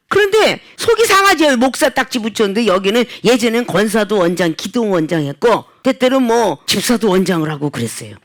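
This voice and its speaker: Animated woman pastor preaching. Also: fairly high pitch. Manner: animated preaching with sudden swings between loud and quiet; acts out quoted dialogue in the talk. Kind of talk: sermon.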